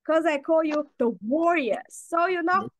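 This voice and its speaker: A woman in her twenties from Bulgaria, a native Bulgarian speaker, chatting as a panel guest with many fillers and pauses. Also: very high-pitched, dry recording. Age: 20s. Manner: halting, many fillers, laughs. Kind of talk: casual chat.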